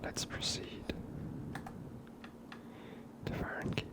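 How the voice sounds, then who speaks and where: A man giving gentle, unhurried ASMR game commentary in a breathy whisper, close to the microphone.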